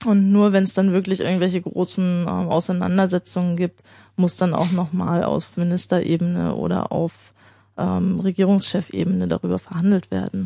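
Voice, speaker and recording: A soft-spoken woman talks at a moderate pace. The sound is dry and close, with no echo. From East Germany. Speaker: podcast guest. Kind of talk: casual chat. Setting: live-streamed podcast recording.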